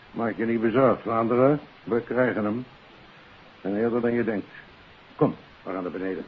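An actor playing a confident, authoritative senior police chief in a 1950s Dutch radio play. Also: male voice, fairly low pitch, steady tone, moderate pace, close to an everyday voice. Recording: tinny, hissy old radio recording.

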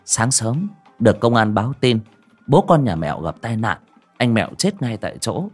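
Lively male folk-tale narrator. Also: medium pitch, normal speed, slightly rough, soft background music. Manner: lively storytelling. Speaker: storyteller. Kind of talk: folk ghost story narration.

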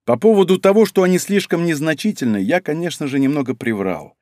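A man reading a first-person novel aloud as an audiobook narrator, with an expressive delivery. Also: on the high side, a little fast, no room sound, studio quality.

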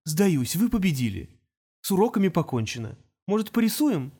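A man's voice: high voice, big pitch swings, normal speed, warm tone, slightly rough, pitched above the performer's own voice, heavily acted. A man voicing a patient teenage boy genius who talks in a precise, lecturing way.

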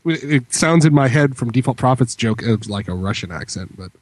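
A man's voice: medium pitch, animated, moderate pace, dry recording. A man co-hosting a casual chat show, teasing and laughing often. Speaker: podcast co-host.

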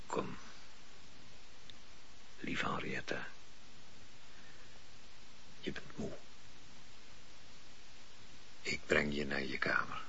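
An actor playing a stern, firm husband in a Dutch radio drama, with a husky voice. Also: male voice, rumbling low, level tone, takes it slowly, long pauses, pushed and bright, whispered, full character voice. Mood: hushed, soothing. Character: stern, firm husband William, soothing yet unyielding. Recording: dull lo-fi radio play recording.

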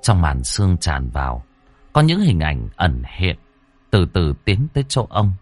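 A man's voice: low voice, huge pitch swings, measured pace, faint music behind. A man narrating a ghost story in a dramatic, suspenseful way. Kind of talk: audiobook narration.

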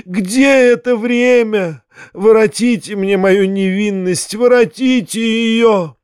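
Man doing a hysterical martyr figure, high-pitched and slow, moaning about himself. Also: darkish tone, smooth, dry recording, clean studio sound. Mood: anguished. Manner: wailing, drawn-out declamation. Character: hysterical self-pitying man, grandiose and theatrical.

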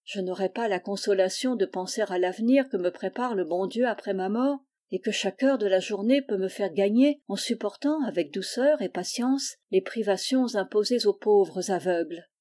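A woman voicing a gentle, pious blind young girl in a storybook reading, soft, calm and resigned. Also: mid-range voice, moderate pace, few pauses, natural voice.

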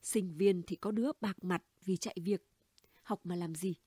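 A woman's voice: lowish voice, fairly even intonation, moderate pace, mellow, slightly rough, no room sound, clean studio sound. A woman reading the dialogue of a gossipy, blunt middle-aged neighbor woman in an audiobook, chatty and conspiratorial. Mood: gossiping.

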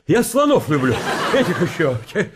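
A man's voice: a little high, huge pitch swings, moderate pace, background noise. A man acting a panicky, cornered, bookish lover in a comic radio play, stammering and pleading. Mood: flustered pleading. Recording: studio radio play, music behind.

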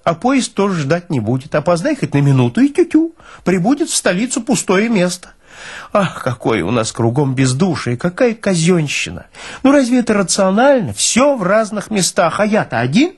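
A man performs a fussy army medical officer from a radio play, forever pleading and lamenting. His voice rides high and swings widely with theatrical self-pity. The tone is somewhat husky. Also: very animated, normal speed, heavily acted. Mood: aggrieved lamenting.

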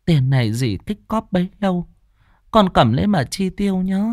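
A kindly old village woman in a storybook speaks softly, in a raised and fussing voice, as a man puts her on. She pleads and dotes rather than scolds. It is close and dry. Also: high voice, lively intonation, moderate pace, no room sound, pitched above the performer's own voice. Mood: tender.

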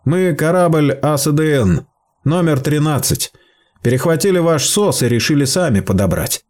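Brisk, soothing spaceship crewmen, pitched above the reader's own voice; a man plays them. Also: animated, natural voice. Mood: businesslike. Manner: matter-of-fact, gently reassuring. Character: calm male spaceship rescuers, brisk and soothing.

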